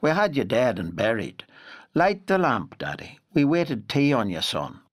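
A man's voice: mid-range voice, very animated, a little slow. An actor voicing a startled, fussing old country grandmother with a Northern Irish accent in an audio drama. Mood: startled, scolding.

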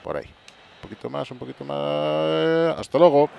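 A man commenting on his own football video game match, excitable, playing mock sports commentator and breaking into bursts of cheering, recorded at home. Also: fairly high pitch, moderate pace, gravelly, muffled recording, a little hiss or hum. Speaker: gaming channel host. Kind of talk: excited let's-play commentary. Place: home room at night.

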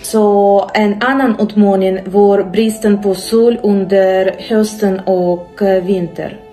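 A woman speaking slowly and hesitantly with many pauses, filmed in a small room. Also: mid-range voice, steady tone, mellow, faint music behind. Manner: slow, hesitant, many "eh" fillers. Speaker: interviewee, expat. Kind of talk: casual testimonial.

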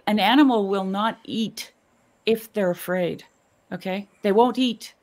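A woman with a medium-pitched voice talks casually on a video call. She is earnest and tells things in short, emphatic phrases, checking that she is followed. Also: a little slow. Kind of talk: casual personal storytelling and discussion.

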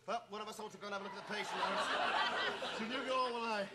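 Male actor as a bossy sitcom doctor, high voice, heavy hiss. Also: steady tone, racing, natural voice. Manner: bossy, exasperated, orders people about. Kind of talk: 1970s television sitcom acting. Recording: very noisy old TV recording.

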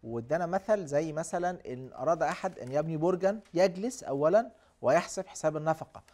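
A man with an Egyptian Arabic accent, a guest on a live talk show, explaining points calmly. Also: on the high side, quick pace. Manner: calm, explanatory. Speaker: guest speaker.

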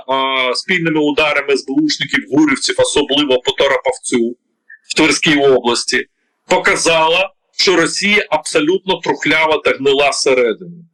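A man with a Ukrainian accent delivering heated political commentary. His voice is bright and forceful, and he keeps firing indignant rhetorical questions between hesitant filler sounds. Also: fairly high pitch, low-quality recording.

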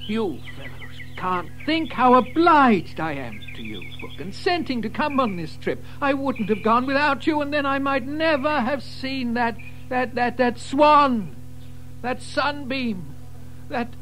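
A man playing a vain, reckless gentleman toad in a children's audio drama, grandiose and dreamy, savouring each phrase. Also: extremely high pitch, very animated, a little slow, faint music behind, heavily acted. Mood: gushing. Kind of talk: full-cast children's audio drama acting.

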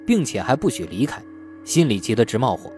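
A man's voice: mid-range voice, very animated, brisk, a little mellow, soft background music. A man reading scripted novel narration as an audiobook narrator.

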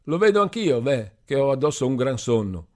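A man voicing a boastful, drunk young man who shouts and slurs his words. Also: medium pitch, normal speed, voice pushed up, natural voice. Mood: drunken. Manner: slurred, shouting, excitable.

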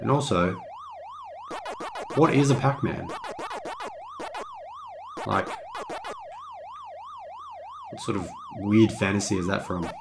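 A man's voice: on the low side, wildly swooping pitch, slow, creaky, long pauses, noisy background. A hungover man giving loose, rambling, joking, self-mocking casual commentary as he hosts a video game review.

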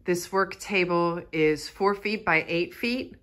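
A woman's voice: lowish voice, takes it slowly, fairly bright tone. A middle-aged woman with a Philadelphia American accent, chattily explaining things as she gives an informal studio tour. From Philadelphia, United States. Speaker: artist and studio tour host.

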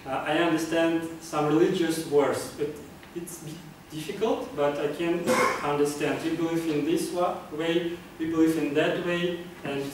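This earnest prepared club speech comes from a man from Kazakhstan, his voice a little high with fairly even intonation, a little slow with few pauses. He frequently restarts phrases with fillers, and the far camera captures an echoey meeting room with noisy background.

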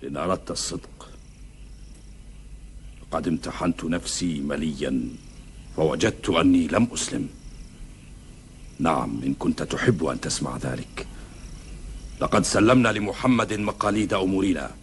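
An actor playing a proud, defiant middle-aged tribal rebel in a historical epic drama, declaiming in formal Arabic with challenging rhetorical questions. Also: male voice, low voice, expressive, moderate pace, pauses often, a little hiss or hum. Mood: grim resolve.

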